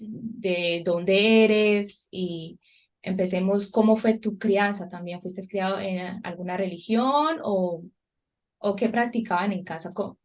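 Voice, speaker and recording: A woman's voice: medium pitch, far from the mic. A woman interviewing a young pastor, asking friendly questions to prompt his story.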